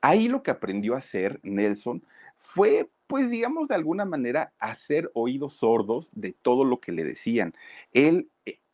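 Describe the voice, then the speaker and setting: A middle-aged man with a Mexican accent telling a story in a chatty, animated way, talking straight to his listeners. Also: medium pitch, normal speed. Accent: Mexican Spanish. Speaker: storyteller host. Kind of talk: casual spoken storytelling.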